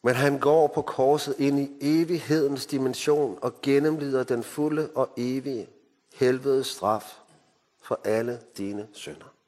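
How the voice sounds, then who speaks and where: A man from Denmark preaching a sermon, moving between emphatic lines and hushed, solemn ones. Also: medium pitch. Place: mission hall. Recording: hall reverb.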